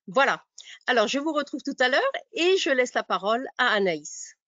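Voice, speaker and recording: A woman's voice: high-pitched, big pitch swings, bright, forceful tone, dry recording. A woman moderating a webinar, giving the audience practical instructions with frequent hesitations and fillers. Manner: halting, many fillers. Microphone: computer mic on a video call. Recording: dry, muffled lo-fi audio.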